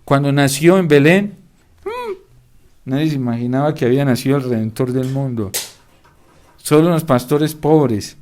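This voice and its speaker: A man's voice: mid-range voice, very animated, normal speed, pauses often, slight background noise. A man with a Colombian accent, a Catholic priest giving a homily, telling stories and checking with the congregation as he preaches. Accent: Colombian Spanish. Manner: storytelling, rising to impassioned near-shouting; asks the congregation "¿sí?" to check they follow. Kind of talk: sermon.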